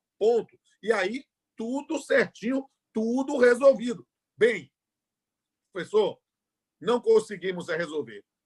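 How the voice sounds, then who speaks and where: A man with a high pitch speaks at a very slow pace with lively intonation and long, frequent pauses, in a dry, close sound with no echo. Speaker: labour judge and law professor. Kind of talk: lecture. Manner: animated.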